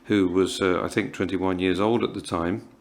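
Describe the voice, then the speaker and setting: A man in his fifties from Morocco, speaking at a writers' panel in a halting, earnest way, with many pauses and fillers. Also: deep voice, steady tone. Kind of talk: reflective festival panel talk.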